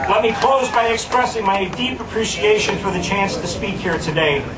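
Noticeable background noise sits under speech at a moderate pace. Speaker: rally speaker. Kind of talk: rally speech. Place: open country.

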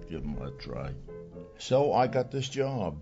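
A man talks in a New York accent, his pitch swinging very widely. Clear music plays in the background. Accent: old New York. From New York City. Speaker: retired silent movie pianist. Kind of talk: oral history interview. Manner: animated storytelling. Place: home room.

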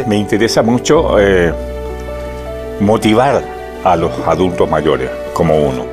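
Clear music plays behind a man whose very deep, low voice swings very widely in pitch at a fairly slow pace. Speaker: retired television news anchor. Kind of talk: casual talk in an interview. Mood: warm, earnest. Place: home room.

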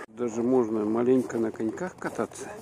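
Speech moves at a very slow pace with light background noise. The sound is dry with no echo. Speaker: vlogger. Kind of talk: casual vlog chat. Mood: relaxed, content. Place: street. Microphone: phone near.

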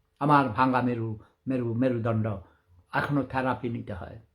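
On a very clean recording with a silent background, a man speaks in a somewhat breathy voice at a medium pitch. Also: big swings in loudness. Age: 70s. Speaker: vlogger. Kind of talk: monologue to camera. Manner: halting.

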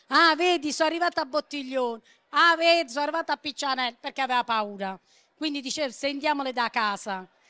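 Speaking at a very fast pace, a woman projects a raised, high-pitched voice with a bright, sharp, animated tone and ordinary pitch variation, in a very clean recording with a silent background and a dry, close sound with no echo. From Matera, southern Italy. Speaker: comedic performer. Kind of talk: casual interview.

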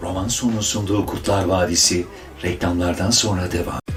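Music plays behind a man speaking at a moderate pace in a very deep, low pitch with monotone, flat intonation. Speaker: voice actor. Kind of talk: TV channel promo announcement.

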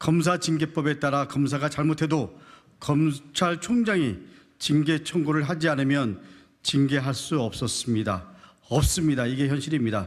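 Against a quiet background, a man talks at a fairly slow pace. His pitch is fairly high and his intonation lively. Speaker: lawmaker. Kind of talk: press conference statement. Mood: serious, critical. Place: hall.

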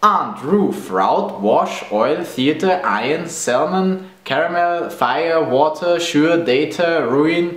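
Speaking at a very slow pace with a German accent, a man uses lively intonation amid audible room echo. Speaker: vlogger. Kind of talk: word list reading. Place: home room. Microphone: webcam.

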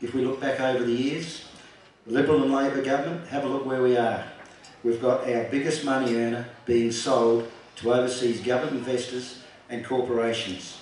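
Strong room echo and light background noise surround a man speaking with an Australian accent in a monotone, flat intonation. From South Australia. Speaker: advocacy group founder and farmer. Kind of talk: public speech. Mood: indignant, campaigning. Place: hall. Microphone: podium.

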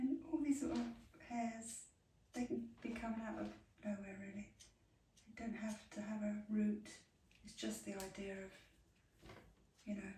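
Soft-spoken, calm delivery at a moderate pace, with long, frequent pauses, audible room echo and light background noise. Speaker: art teacher. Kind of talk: tutorial. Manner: soft, quiet, calm murmuring.

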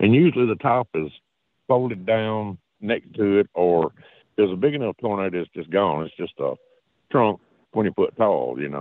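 A man with a Southern US accent, fairly low pitch and lively intonation, at a moderate pace with long, frequent pauses. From Alabama, US South. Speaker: coyote hunter. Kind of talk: casual chat. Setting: phone call.

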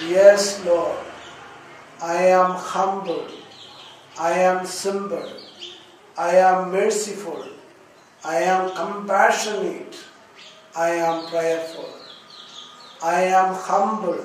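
Soft-spoken and soothing, the voice moves very slowly in a monotone, flat intonation with long, frequent pauses, strong room echo and light background noise. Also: man, high pitch for a man. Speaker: priest leading meditation. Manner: slow, soft, soothing, repetitive and measured. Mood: calm, soothing, repetitive. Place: hall.

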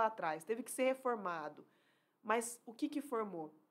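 An animated woman's voice with very wide pitch swings. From Brazil, São Paulo state (Araraquara). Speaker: state legislator. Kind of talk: political talk show chat. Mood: critical, engaged political talk. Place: studio. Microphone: studio mic.

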